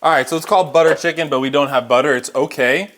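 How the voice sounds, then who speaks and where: A man's voice: on the high side, quick pace, a bit bright. Casual, chatty male home cook. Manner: chatty, instructive, talking to viewers. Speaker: home cook presenting a recipe. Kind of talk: casual cooking demonstration.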